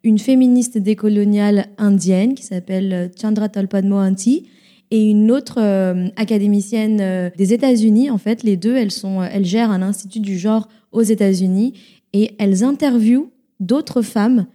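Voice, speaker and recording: A woman's voice: mid-range voice, moderate pace, mellow. A young woman studying sociology, speaking thoughtfully as a guest in a casual podcast chat. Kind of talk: casual round-table chat.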